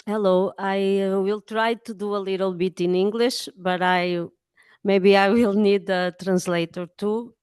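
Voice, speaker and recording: Portuguese lady talking slow in english, lots of ums, smooth clear voice, dry sound. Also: mid-range voice, fairly even intonation, darkish tone, no echo. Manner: hesitant, many pauses and fillers. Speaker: journalist and editor. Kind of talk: conference talk.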